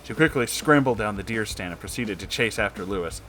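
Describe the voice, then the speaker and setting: A man's voice: fairly low pitch, expressive, brisk, pushed and bright, faint music behind. A man narrating a comedic story in a dramatic, theatrical way.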